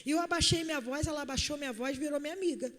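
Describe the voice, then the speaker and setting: A woman's voice: high voice, very fast. A woman preacher, telling a personal story in a chatty sermon and speaking straight to the congregation. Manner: chatty, animated, addresses the congregation directly. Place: church hall. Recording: long hall reverb.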